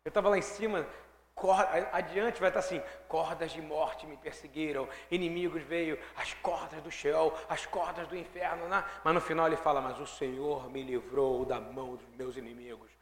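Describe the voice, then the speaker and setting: A man preaching a sermon, swinging from hushed asides to loud, fervent declarations. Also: a little high, steady tone, normal speed, echoey room, big-room sound, slight background noise.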